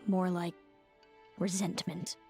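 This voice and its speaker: A resentful elder sister from a fantasy game, a seer weighed down by fate. Her voice sits low, measured and weary, with a pointed edge and music playing behind it. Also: little pitch movement, vocal fry, mellow. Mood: bitter. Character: bitter, resentful older sister, fate-burdened fairy seer. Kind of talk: scripted fantasy game voice acting.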